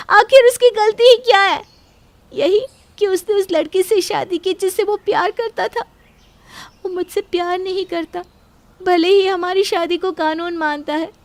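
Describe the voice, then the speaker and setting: A woman with a very high voice delivers story dialogue in an emotional, pleading way. The recording is dry and close, with no room sound. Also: dry recording. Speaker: voice actor in an audio story.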